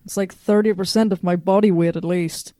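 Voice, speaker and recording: A woman playing a cocky half-robot cyborg in an audio drama, teasing in a relaxed, deadpan way. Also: on the low side, fairly quick, dry recording, clean studio sound, natural voice. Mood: matter-of-fact.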